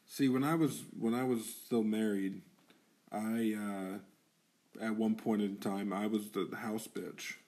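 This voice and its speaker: A man's voice: lowish voice, steady tone, takes it slowly, darkish tone. A young man co-hosting a podcast in casual chat, swearing freely and joking with friends. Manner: profane, joking, laughs often. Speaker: podcast co-host.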